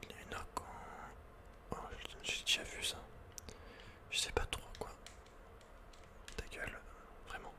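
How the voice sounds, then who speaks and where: A man's voice: a little slow, pauses often. A man giving casual, slangy ASMR commentary on a video game, muttering with the odd mild swear word. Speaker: ASMR gaming streamer.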